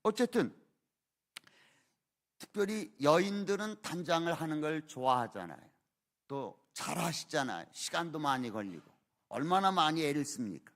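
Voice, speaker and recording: A man's voice: on the high side, big pitch swings, normal speed, pauses often, a bit bright. An older man, an emeritus pastor, preaching a sermon in church with emphatic rhetorical questions. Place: church sanctuary.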